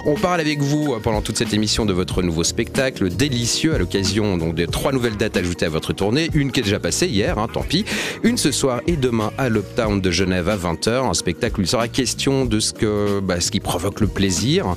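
A man's voice: fairly low pitch, animated, music in the background. A man hosting a live radio talk show in a studio, chatty and playful with his guests. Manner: playful, chatty, quick to laugh. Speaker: radio host.

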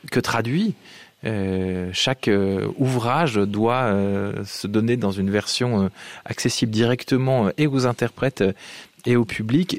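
A man hosting a radio interview, asking questions in a measured, formal way. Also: mid-range voice, no room sound. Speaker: radio host.

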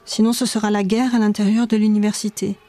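A man's voice: sits high, level tone, fast talker, mellow, no echo. A woman voicing a weary male school director who lectures and reasons patiently in a read-aloud memoir. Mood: conceding.

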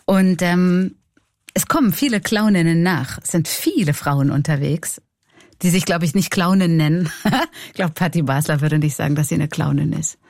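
A woman's voice: lowish voice, a little mellow, no echo, studio quality. A woman in her forties with a Swiss German accent, a comedian and clown speaking reflectively and laughing often in an interview.

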